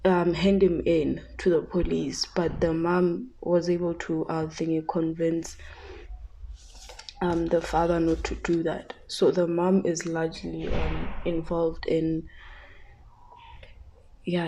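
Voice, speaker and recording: Soft-spoken, hesitant woman. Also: deep voice, slight background noise, low-quality recording. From South Africa. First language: Tshivenda. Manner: hesitant, many fillers and restarts. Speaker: tarot reader. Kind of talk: casual psychic reading.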